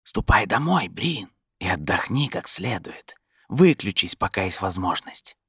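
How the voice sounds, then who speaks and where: Man voicing a hushed, insistent voice inside someone's head. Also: deep voice, big pitch swings, measured pace, slightly rough, dry recording, studio quality, heavily acted. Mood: coldly soothing. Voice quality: hushed, whispery. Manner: insistent, ironic, admonishing. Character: sinister disembodied inner voice, coldly insistent and mocking.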